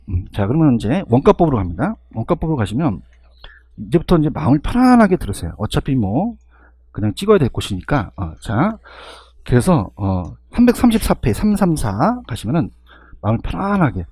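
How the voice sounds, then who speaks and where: A man with a husky voice giving an exam-review lecture, constantly firing rhetorical questions and checking in with his students. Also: medium pitch, very animated, fairly quick, mellow, no echo.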